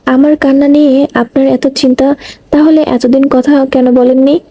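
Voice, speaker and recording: A tearful, lovesick young woman who pleads and sulks, as a woman reads her in a storybook. High and soft-toned. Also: flat delivery, moderate pace, no room sound, close to an everyday voice. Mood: pleading. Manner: pleading, sulky. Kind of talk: audiobook reading.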